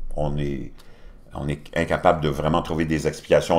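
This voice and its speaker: The speaker has a Quebec accent and a monotone, flat intonation. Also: man. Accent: Québécois French. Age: 60s. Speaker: online news commentator. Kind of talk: commentary monologue. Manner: casual, with frequent hesitations. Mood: critical, concerned.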